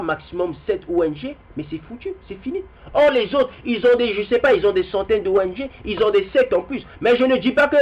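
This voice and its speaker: A young man whose heritage language is Kikongo rambles through a spoken video commentary with readings, repeating words and addressing his viewers directly. His voice is high-pitched with a breathy edge, captured in a dull lo-fi recording.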